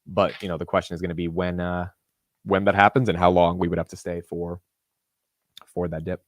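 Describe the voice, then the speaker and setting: A young man with a deep voice hosting a live market stream in casual, animated chat. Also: a little fast, no room sound. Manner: animated, says "dude" and "like" a lot.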